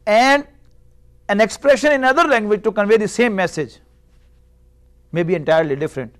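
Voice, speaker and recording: With a patient, steady and noticeably high voice, a middle-aged man who grew up speaking Urdu explains language structure in an Arabic class lecture. He frequently stops to ask his students rhetorical questions, and a lapel mic picks him up closely in the small classroom.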